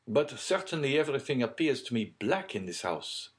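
A man voicing a courteous, excitable young gentleman in a storybook, lively and solicitous. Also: medium pitch, moderate pace, pitched above the performer's own voice, lightly acted. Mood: curious.

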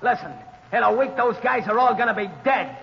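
An actor playing a vengeful, taunting condemned gangster in an old radio drama. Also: male voice, very high-pitched, brisk, gravelly. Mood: menacing. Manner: taunting, menacing threats. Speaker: condemned prisoner Ralph Gorman. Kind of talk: 1930s radio drama acting. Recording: dull old radio recording with hiss and echo.

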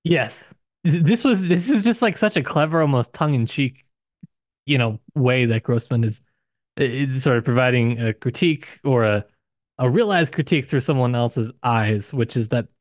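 A man co-hosting a casual book discussion podcast, hesitant and searching for words, with frequent restarts and sudden rises in pitch. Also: moderate pace, dry recording, studio quality. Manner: hesitant, many restarts and hedges, animated pitch jumps. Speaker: podcast co-host discussing a novel.

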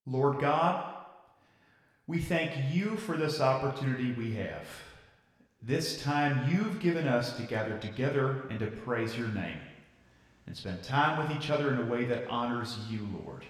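An actor playing an earnest youth church camp leader who addresses a congregation with pauses and casual preacherly phrasing. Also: male voice, medium pitch, expressive, lightly acted. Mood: earnest, devout. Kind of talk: audio drama acting, leading prayer and addressing a congregation. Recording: echoey hall, far from the mic.

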